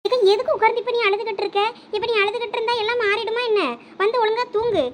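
Woman doing a bossy little sister nagging her sibling to sleep, quick and high. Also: steady tone, a little hiss or hum. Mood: scolding. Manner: scolding, coaxing. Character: bossy, caring younger sister. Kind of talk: village drama skit.

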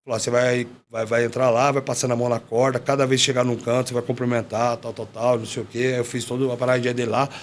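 A man, a former fighter, telling a story in casual chat, slangy and animated, acting out what others said. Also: medium pitch, quick pace, hardly any pauses, slight background noise. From Brazil. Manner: animated, slangy, acts out quoted dialogue. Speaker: podcast guest, former MMA fighter.

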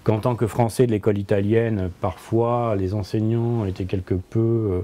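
This French-speaking philosopher, a man in his sixties, talks in a conversational interview set in a book-lined office. His lowish voice is warm with fairly even intonation, and he reflects thoughtfully, pausing and repeating himself often.

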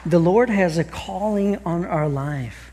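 A middle-aged pastor with an Austrian accent preaches a sermon from a large church stage before an audience, his voice high-pitched and a little slow. He sounds earnest, often restarting his sentences and posing rhetorical questions. A loud crowd makes the clip very noisy.

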